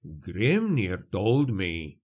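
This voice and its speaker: Casting: male reader as grave, cryptic dwarf priest, low measured voice, slow portentous lines, fantasy audiobook. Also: wildly swooping pitch, a little mellow, heavily acted. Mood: solemn, cryptic.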